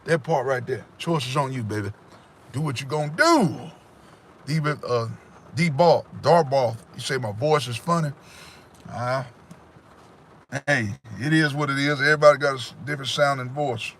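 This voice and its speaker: With a mid-range, slightly bright voice at a moderate pace, a man hosts a casual livestream and preaches emphatic life advice to his viewers. He speaks into a phone or webcam set in front of him.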